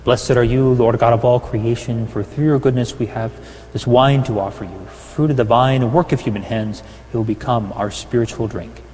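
A man celebrating Mass as a priest, reading set prayers in a measured, solemn way and chanting parts of them, with a long cathedral echo behind his voice. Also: mid-range voice, fairly even intonation, a little mellow. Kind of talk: liturgical prayer, partly chanted. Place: large church. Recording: long church reverb.

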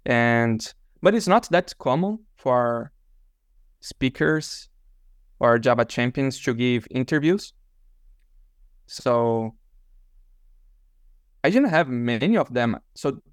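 A man's voice: mid-range voice, lively intonation, takes it slowly, long pauses, smooth, no room sound, studio quality. A man being interviewed, telling his story unhurriedly with many fillers over a remote call. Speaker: interview guest, author. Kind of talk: casual interview chat.

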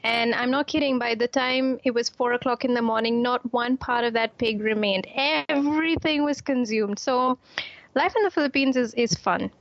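A woman's voice: on the high side, moderate pace, vocal fry, dry recording, highs cut off. A woman from Kuwait, an author and doctor, answering interview questions in a chatty way, with fillers and repeated words.

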